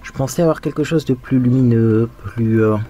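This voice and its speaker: A man's voice: medium pitch, moderate pace, warm tone. Chatty man reviewing makeup, faint music. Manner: chatty, frank, thinking aloud while working. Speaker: makeup vlogger. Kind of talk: casual get-ready-with-me commentary.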